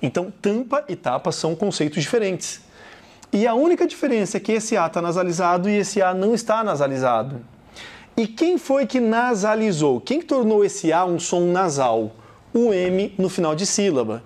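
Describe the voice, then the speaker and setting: Emphatic Brazilian teacher, fairly high voice. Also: male voice, very animated, normal speed, a little mellow. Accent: Brazilian Portuguese. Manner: emphatic, repeats points, acts out little example sentences. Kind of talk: classroom lesson.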